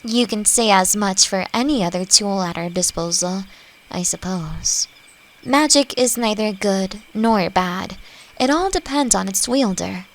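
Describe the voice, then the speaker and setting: A woman playing a friendly, playfully teasing elf who teaches magic, speaking gently and reflectively in a roleplay audio drama. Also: medium pitch, lively intonation, a little slow, rough recording. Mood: thoughtful, gentle. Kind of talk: scripted roleplay audio drama addressed to the listener.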